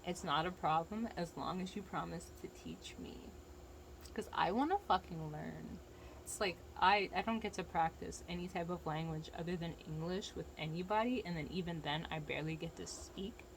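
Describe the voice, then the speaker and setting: A woman's voice: on the low side, moderate pace, gravelly, a little hiss or hum, rough recording. An American woman with a lisp, talking casually and frankly in a rambling, profane, opinionated rant to viewers. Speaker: vlogger giving opinions.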